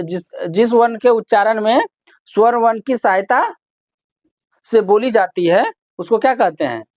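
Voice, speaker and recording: Slow-spoken woman teaching grammar. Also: mid-range voice, a little mellow, no echo, clean studio sound. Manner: asks questions then answers them herself, repeating key terms. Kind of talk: classroom grammar lesson.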